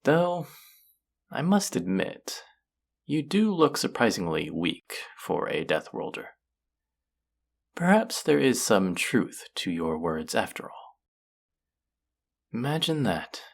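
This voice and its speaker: An actor playing a haughty, mocking, cultured alien buyer in an audio roleplay, speaking to the listener in a deliberate, condescending, theatrical way. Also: mid-range voice, sing-song, vocal fry, heavily acted. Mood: teasing, condescending.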